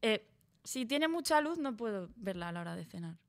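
A woman's voice: medium pitch, big pitch swings, moderate pace. A woman from chatting eagerly about TV series as a guest, rambling with fillers and restarts. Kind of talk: casual chat about TV series.

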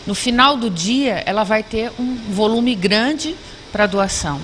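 A woman's voice: a little high, expressive, unhurried, a bit bright. A woman in her fifties giving an explanatory news interview indoors into a handheld mic. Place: indoor lab room. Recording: reverberant room, faint background noise.

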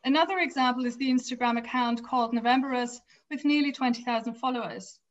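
A woman giving an academic lecture from a home office over a video call, reading prepared text in a measured way with small restarts. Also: a little high. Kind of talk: academic lecture read from slides. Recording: slightly dull lo-fi video call audio.

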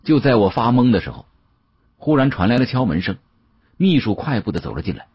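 A man narrating an audiobook as dramatic first-person storytelling, expressive and theatrical, with colloquial asides. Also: medium pitch, a little fast, husky, dry recording, muffled recording.

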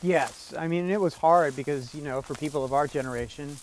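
The audio is poor, with slight background noise, as a man in his forties walks through his small farm indoors and out. This American farmer and craftsman has a fairly high, brisk voice and earnestly, practically explains his handmade off-grid setup step by step on a casual tour.

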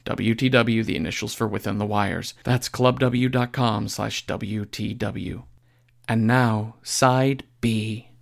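A man's voice: lowish voice, fairly even intonation, takes it slowly, gravelly. A man hosting a podcast, reading scripted sponsor messages in an informal, conversational, dryly humorous way.

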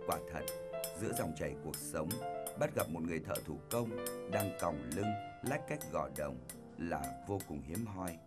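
A man reading a scripted documentary narration in a calm, measured way. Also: low-pitched. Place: voice-over studio. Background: faint music.

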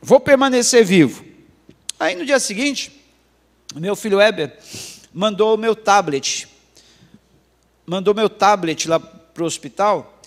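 A middle-aged male pastor telling a dramatic personal testimony in a sermon, dropping into hushed low passages. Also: expressive, takes it slowly, pauses often. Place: church hall. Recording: long hall reverb.

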